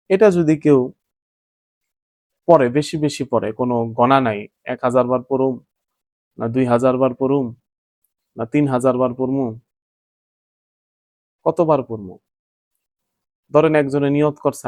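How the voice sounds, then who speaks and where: A man's voice: medium pitch, no echo. Give me a male Sufi preacher who asks and answers his own questions. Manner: explains by asking and answering his own questions, then chants in a rising rhythm. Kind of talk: informal religious talk.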